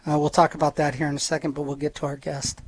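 A man co-hosts a live radio fundraiser, reading out giving levels with plenty of "uh"s. His voice is a bit high for a man and sounds dry and close to the mic. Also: little pitch movement, fast talker, no room sound. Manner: plain, filler-heavy listing of figures.

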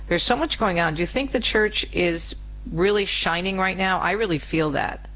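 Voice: mid-range voice, normal speed, fairly bright tone, rough recording. A radio host interviewing a guest enthusiastically on a talk show.

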